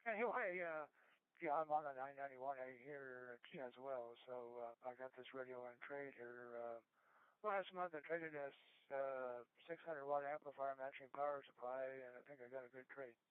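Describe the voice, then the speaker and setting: A man on a ham radio contact, talking loosely with lots of fillers and a voice he says is going. His voice comes through smooth but squeezed into a thin, phone-like band, dry with no room sound. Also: medium pitch, moderate pace, no room sound. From California. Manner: rambling, many fillers. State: losing his voice. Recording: tinny radio transmission.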